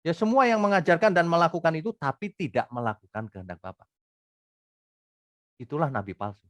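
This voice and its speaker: A man's voice: on the high side, animated, brisk, no room sound. Middle-aged male pastor, emphatic sermon delivery, dry close sound. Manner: emphatic, swings between loud bursts and quiet asides. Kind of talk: expository sermon.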